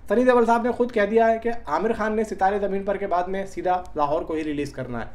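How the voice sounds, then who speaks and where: A man's voice: sits high, fairly quick, darkish tone. Chatty man hosting film updates. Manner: colloquial, chatty, addresses viewers as brother. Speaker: film news YouTuber and host. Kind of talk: casual film-update commentary to fans.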